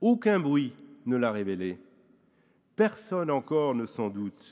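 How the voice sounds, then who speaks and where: Against a quiet background, a man with a dark, mellow tone and fairly high pitch talks at a very slow pace, his pitch swinging very widely. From France, Lorraine; France. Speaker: law professor and mayor, new academician; law professor, mayor. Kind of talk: reading aloud a prepared tribute. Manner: formal. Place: hall. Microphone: podium.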